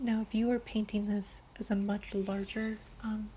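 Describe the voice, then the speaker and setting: Her voice is medium in pitch, dark, mellow, and somewhat breathy. The woman's intonation stays monotone and flat. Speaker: art tutorial youtuber. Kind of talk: tutorial.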